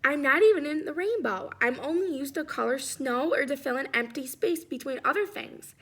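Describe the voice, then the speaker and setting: A woman's voice: high voice, lively intonation, normal speed, a bit bright. A woman voicing a forlorn, overlooked white crayon in a storybook, plaintive and emphatic.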